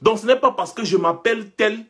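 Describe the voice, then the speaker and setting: Husky, high-voiced man speaking insistently. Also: a little fast, fairly bright tone. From Cameroon. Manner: rhetorical and insistent, repeats his points. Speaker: commentator. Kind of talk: impassioned monologue.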